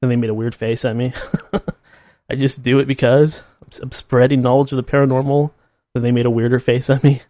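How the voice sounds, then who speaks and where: A man's voice: medium pitch, flat delivery, fairly quick, warm tone, no echo. A man in his thirties hosting his own podcast, rambling casually and laughing at himself. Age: 30s. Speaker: podcast host. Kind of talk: casual solo monologue.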